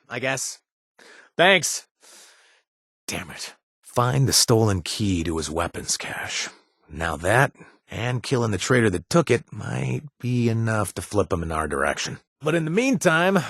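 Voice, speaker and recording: An actor playing a wry, self-deprecating former raider turned bartender in a video game, halting with fillers in a husky voice. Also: male voice, medium pitch, a bit bright, dry recording, studio quality, exaggerated voice. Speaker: game companion character. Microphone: studio mic.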